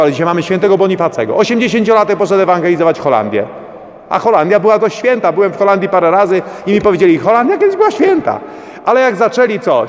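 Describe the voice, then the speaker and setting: A man preaching a sermon as a priest, urging his listeners with repeated rhetorical questions. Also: sits high. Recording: long church reverb.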